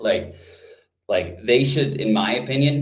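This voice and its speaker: Somewhat breathy, a man's voice carries audible room echo. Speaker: startup co-founder. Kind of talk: interview. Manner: fast.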